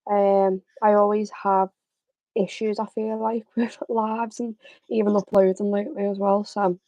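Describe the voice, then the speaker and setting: A young woman hosting a football livestream, chatting casually with a slightly raspy voice and plenty of fillers. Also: mid-range voice, a little slow, dry recording. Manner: chatty, relaxed, many fillers. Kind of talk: casual live chat.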